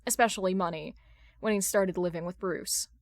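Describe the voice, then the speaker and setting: A woman's voice: fairly low pitch, moderate pace, dry recording. Woman narrating fiction, dry close sound. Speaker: podfic narrator. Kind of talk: scripted fiction narration with wry asides.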